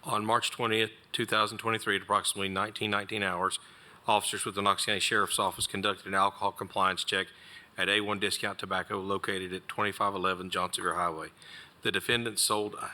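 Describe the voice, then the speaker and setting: Male deputy, deep monotone, bright tone, matter-of-fact hearing testimony. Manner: plain, halting account with restarts. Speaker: sheriff's office officer. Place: county board meeting room.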